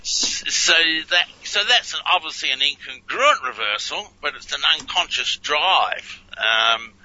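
A man's voice: a little high, lively intonation, a little slow, pushed and bright, slight background noise. A man speaking as a guest in a radio interview, chatty and prone to chuckling and exclaiming. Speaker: guest, researcher of reversed speech. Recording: muffled lo-fi audio.

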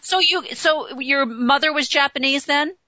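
Bright-voiced woman host, slightly dull sound. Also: high-pitched, measured pace, no room sound. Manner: friendly questioning, chatty with fillers. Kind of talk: casual interview chat.

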